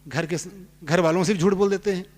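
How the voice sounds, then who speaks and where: A man's voice: sits high, brisk, darkish tone. A man, a spiritual teacher, giving a plain, conversational sermon with homely examples. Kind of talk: sermon with sung verses. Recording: long hall reverb.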